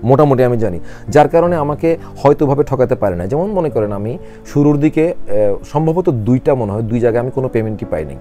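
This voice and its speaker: A man's voice: medium pitch, expressive, fast talker, warm tone, soft background music. A middle-aged male actor, talking in an interview in a reflective, matter-of-fact way. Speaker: actor guest. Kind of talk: interview conversation.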